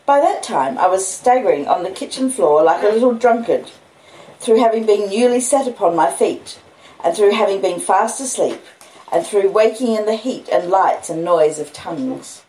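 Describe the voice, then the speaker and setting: Her tone is warm and her pitch medium as this Australian storyteller reads a classic novel expressively at a moderate pace, stopping for casual chat with listeners. Background hiss and a roomy echo are noticeable.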